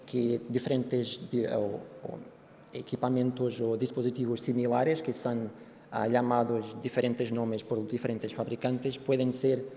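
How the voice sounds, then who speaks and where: Hombre portugués, voz grave y rasposa. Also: male voice, medium pitch, little pitch movement, mellow. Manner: halting, many fillers and restarts. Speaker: conference speaker. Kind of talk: conference presentation. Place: conference hall. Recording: hall reverb, faint background noise.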